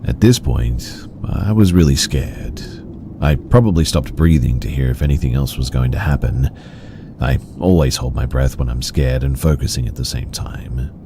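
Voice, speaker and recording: A man narrating first-person horror stories in a slow, measured, somber way. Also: rumbling low, background noise.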